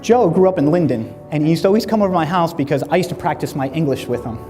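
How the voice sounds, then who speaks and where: A man, giving a keynote speech and acting out stories with lively dialogue. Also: fairly high pitch, rapid-fire, long reverb tail, faint music behind. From Latin America, Spanish-speaking. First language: Spanish. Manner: animated storyteller acting out dialogue. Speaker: motivational speaker. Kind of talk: keynote speech to a live audience. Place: large hall.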